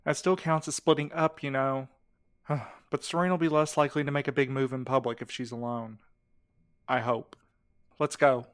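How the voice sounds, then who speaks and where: A man's voice: medium pitch, steady tone, moderate pace, smooth, natural voice. A man acting in an audio drama as a cautious, exasperated and sardonic young sleuth with a wry, insistent manner.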